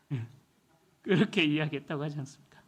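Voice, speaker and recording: High-voiced pastor preaching emphatically. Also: male voice, lively intonation, normal speed, a bit bright. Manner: emphatic preaching, rhetorical questions to congregation, acts out joke voices. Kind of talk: sermon.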